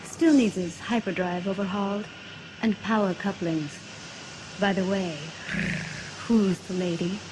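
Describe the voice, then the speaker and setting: A woman's voice: medium pitch, steady tone, a little slow, long pauses, background noise, natural voice. An actress playing a shrewd, sardonic smuggler woman with a sly, teasing manner in an audio drama. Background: orchestral film score.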